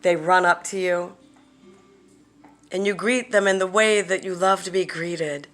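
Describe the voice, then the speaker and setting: A woman guides a meditation at a very slow pace, in a slightly low voice. Her delivery is gentle and deliberate, leaving long pauses between phrases, some of them softly breathed. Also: fairly even intonation, faint music behind. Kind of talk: guided visualization, soothing meditation narration.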